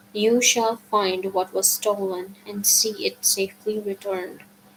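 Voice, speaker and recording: A woman's put-on character voice, raspy and monotone with flat intonation, at medium pitch and a moderate pace. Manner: eerie, solemn.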